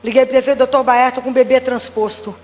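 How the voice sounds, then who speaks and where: Animated woman preaching in a reverberant hall. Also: high voice, racing. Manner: animated storytelling, acting out dialogue. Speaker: doctor giving a faith talk. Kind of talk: religious talk with anecdotes.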